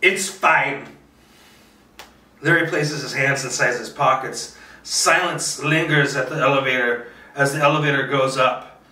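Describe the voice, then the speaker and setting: A man doing a screenplay table read with casual asides, halting as he thinks aloud. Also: mid-range voice, steady tone, sharp tone. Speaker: script reader, filmmaker. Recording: roomy, distant microphone.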